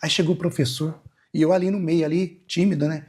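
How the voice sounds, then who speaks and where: Husky-voiced man telling stories. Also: on the high side, steady tone, brisk, a little mellow. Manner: rambling anecdotal, frequent "né?" tags. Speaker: hypnotherapist guest. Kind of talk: casual interview storytelling.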